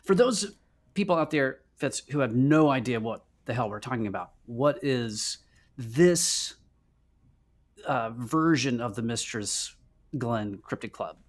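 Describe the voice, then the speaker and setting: A man co-hosting a casual live podcast, his pitch swinging widely as he talks. He is emphatic and jokey, doubling back on his phrases while he banters. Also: animated, measured pace. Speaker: co-host of a podcast live show.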